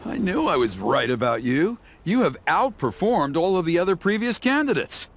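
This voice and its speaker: A man's voice: high-pitched, big pitch swings, normal speed, a little hiss or hum. An actor playing an earnest, courteous tribal clansman in an anime video game, with formal, sincere phrasing. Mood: pleased.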